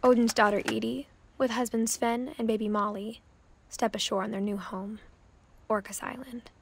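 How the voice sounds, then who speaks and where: A woman voicing a young woman who narrates her family's history in a video game, speaking softly and close to a whisper. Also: a little high, level tone, moderate pace, husky. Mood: calm. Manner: soft, hushed storytelling, often near a whisper.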